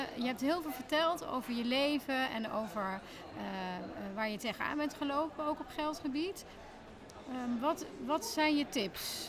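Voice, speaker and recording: Over noticeable background noise, a woman speaks at a high pitch and a fairly slow pace, with lively intonation and long, frequent pauses. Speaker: podcast host, money coach. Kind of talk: interview. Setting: bistro at a railway station.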